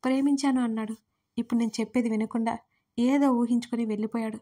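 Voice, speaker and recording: A heartbroken young woman, read by a female storyteller, speaks with tearful reproach. The voice sits a touch high and stays fairly flat in its melody. It is an audio storybook reading. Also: fast, close to an everyday voice. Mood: bitter, tearful. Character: young woman, grieving and bitter.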